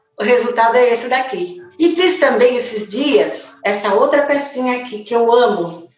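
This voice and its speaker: Amid noticeable background noise and audible room echo, a woman speaks at a moderate pace with a high pitch. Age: 60s. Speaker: student testimonial. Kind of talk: testimony.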